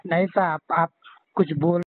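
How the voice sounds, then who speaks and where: A man with a Hyderabadi accent speaks as a caller, polite but persistent. His voice is high for a male, heard on a dull, dry phone recording. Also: little pitch movement, unhurried, no room sound. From Hyderabad, India. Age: young adult. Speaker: phone caller questioning an official. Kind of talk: informal phone conversation.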